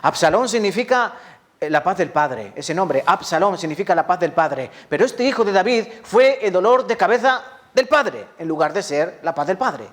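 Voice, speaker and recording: Man with a Spanish accent, pastor's sermon, fairly high voice, impassioned, asks questions and answers them. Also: lively intonation, moderate pace. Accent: Spanish from Spain.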